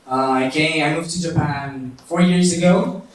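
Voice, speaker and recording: A man from Romania presenting the tech side of an app, halting with frequent fillers. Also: fairly high pitch. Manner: halting, lots of uh and um. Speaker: bootcamp student presenter. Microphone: distant from the mic. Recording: echoey hall audio from far off.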